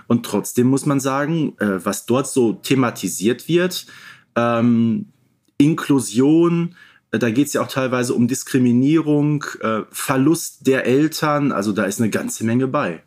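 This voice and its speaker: A man speaks as a podcast co-host. He explains things in a measured way, keeping a casual conversational style. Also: medium pitch, animated, a little mellow.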